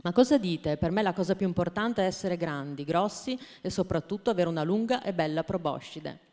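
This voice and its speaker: A woman's voice: fairly low pitch, expressive, brisk, a little mellow, lightly acted. A woman reading the lines of a big male storybook elephant in a plain read-aloud voice. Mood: proud. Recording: long hall reverb.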